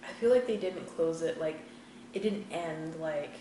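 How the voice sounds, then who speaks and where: A woman's voice: low-pitched, moderate pace, mellow. An American woman chatting casually to viewers while chewing, in a rambling, hesitant way. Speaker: vlogger hosting an eat-with-me video. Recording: very echoey room, distant mic, faint noise.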